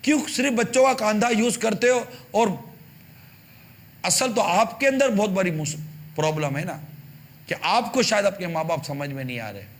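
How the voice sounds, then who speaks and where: A male preacher gives a televised sermon with a high voice. He presses his points with rhetorical questions and repeated pleas. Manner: emphatic, rhetorical questions, repetition. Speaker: religious preacher on TV channel. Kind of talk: television sermon addressing parents.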